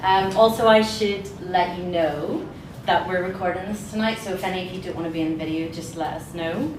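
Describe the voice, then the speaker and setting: Woman doing a casual gallery intro, bit hesitant, distant mic, echo and clear background noise. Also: lowish voice, fairly quick. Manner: relaxed, conversational, hesitant. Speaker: exhibition tour host. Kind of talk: informal public talk. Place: indoor gallery space. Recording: echoey room, distant mic, noisy.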